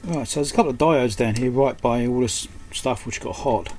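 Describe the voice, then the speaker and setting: Man, mid-pitched voice, hands-on repair narration, muttered short fragments, thinking aloud, noticeable workshop noise behind. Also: normal speed, darkish tone. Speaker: electronics repair technician and host. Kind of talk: unscripted hands-on repair commentary. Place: indoors at an electronics repair workbench.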